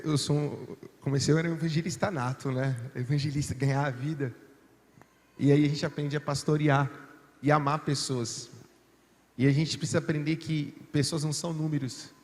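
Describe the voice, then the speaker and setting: Male pastor host, mid-high voice, brisk conversational interviewer, roomy hall sound. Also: fairly even intonation, darkish tone. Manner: talks in quick bursts, tags phrases with "né?".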